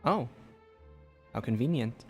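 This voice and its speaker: Casting: young male game streamer, middle pitch, casual and hesitant musing, light music behind. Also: lively intonation, slow, a little mellow. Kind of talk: casual live gaming commentary.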